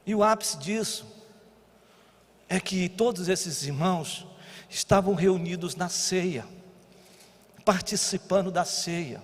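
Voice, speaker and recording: A Brazilian pastor preaching a sermon, moving between quiet teaching and loud exhortation. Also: male voice, high voice, slow, pauses often. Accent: Brazilian Portuguese. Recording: long church hall reverb.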